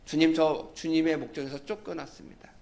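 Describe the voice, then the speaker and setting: A man playing a repentant prophet pleading humbly from the depths, his voice sitting high. The prayer sounds earnest and bare. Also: steady tone, a little fast, creaky, a little mellow. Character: repentant male prophet praying from a fish's belly.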